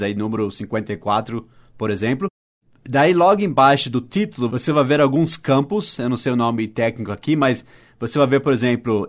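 A Portuguese-speaking man hosting a short podcast lesson, explaining slowly and spelling words out letter by letter. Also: mid-range voice. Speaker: English teacher.

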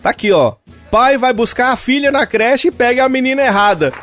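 A man co-hosting a casual comedic podcast, telling a story in animated style and acting out the characters. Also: very high voice, brisk, faint music behind. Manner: animated storytelling, acts out characters, laughs often. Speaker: podcast co-host.

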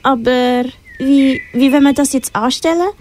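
A cautious young unicorn in a student radio play, played by a teenage girl, wary and doubtful. The voice is high, with a faint hiss behind it. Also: moderate pace, a little mellow, natural voice. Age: teens.

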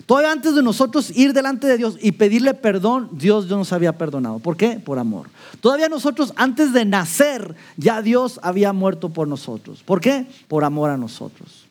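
High-voiced Mexican preacher. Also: male voice, big pitch swings, normal speed. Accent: Mexican Spanish. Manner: rhetorical questions, playful role-play asides. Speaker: pastor. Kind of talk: sermon.

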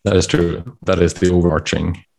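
Deep gravelly-voiced man co-host. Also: fairly even intonation, a little mellow. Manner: measured, explanatory, reads out guideline text. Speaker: podcast co-host. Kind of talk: casual panel discussion.

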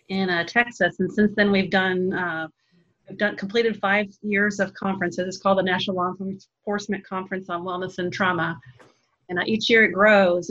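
Casting: female nonprofit spokesperson, mid-pitched, earnest and fluent in interview, slightly muffled lo-fi recording. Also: a bit bright. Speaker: nonprofit representative being interviewed. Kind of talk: interview talk explaining programs.

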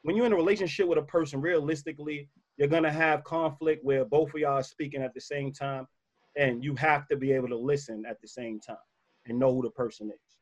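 Emphatic man with a bassy voice. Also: steady tone, a little fast. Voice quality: a little bassy voice. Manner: emphatic, repeats key points. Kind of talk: casual advice talk.

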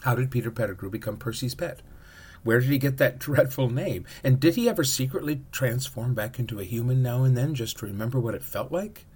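A man hosting a podcast, giving a scripted narration in a measured, questioning manner. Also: medium pitch, expressive, a little mellow, breathy edge. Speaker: podcast host.

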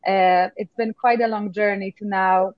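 A woman from Poland with a Polish accent, a coach talking as a podcast guest in a reflective way with many pauses. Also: mid-range voice, fairly even intonation, no room sound, highs cut off. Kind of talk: conversational interview.

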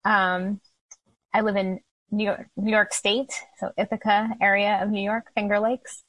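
A woman's voice: medium pitch, level tone, a little slow, a bit bright, no room sound, lo-fi sound. An American woman in her thirties introducing herself in a casual, conversational way as a panel guest.

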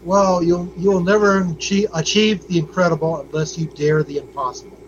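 A man guest speaks in an emotional, halting way, his voice pitched high. The sound is muffled and lo-fi, with clear noise behind it. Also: steady tone. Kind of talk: casual chat. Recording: dull noisy recording.

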